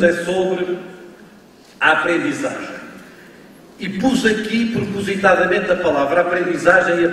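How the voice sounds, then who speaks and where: A man with a European Portuguese accent gives a university lecture, speaking slowly and stressing his points, often closing them with a quick tag question. His slightly higher voice sounds far from the mic and rings through a large, echoey hall, with faint room noise behind it. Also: sharp tone. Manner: deliberately slow, emphatic delivery with frequent tag questions. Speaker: guest lecturer. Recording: distant, echoey hall recording with faint ambience.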